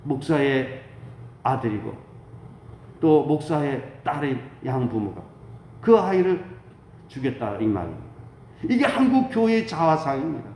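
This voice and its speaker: This pastor's medium-pitched, darkish voice swings widely in pitch, moving at a measured pace with long pauses. His dawn prayer sermon is fervent and exhortatory, full of rhetorical questions he answers himself, recorded in an echoey room with faint background noise.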